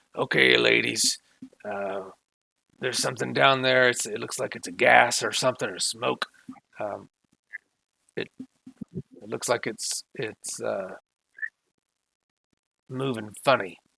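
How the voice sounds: Using a gruff, put-on character voice at a medium pitch, a man speaks at a fairly slow pace with long, frequent pauses.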